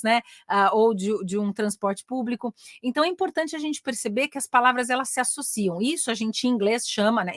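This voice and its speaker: A middle-aged Brazilian woman, an English teacher and career mentor, chats through a casual online lesson in a Brazilian Portuguese accent, sprinkling "né?" onto her sentences and pressing her points eagerly. Her voice is a little high. The studio sound is clean, with no echo.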